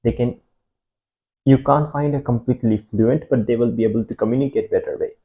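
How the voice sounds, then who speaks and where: A man's voice: mid-range voice, fairly quick, highs cut off. A man from Pakistan, an online tutor talking unscripted to camera. He rambles and repeats words as he searches for them, with grammar. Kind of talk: unscripted talk to camera about learning English.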